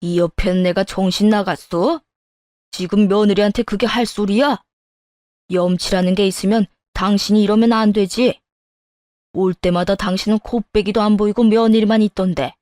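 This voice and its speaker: A woman's voice: medium pitch, steady tone, normal speed, dark tone, dry recording, studio quality, natural voice. A woman voicing a stern, furious older father-in-law. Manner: scolding, indignant. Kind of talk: scripted story narration.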